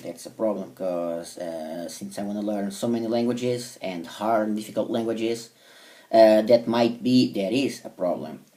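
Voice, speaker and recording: Vlogger: Portuguese-accented man, native Portuguese, hesitant and filler-heavy, mellow voice, slightly distant mic. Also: on the low side, measured pace. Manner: hesitant, many fillers and restarts. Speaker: language learner vlogger. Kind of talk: casual monologue to camera.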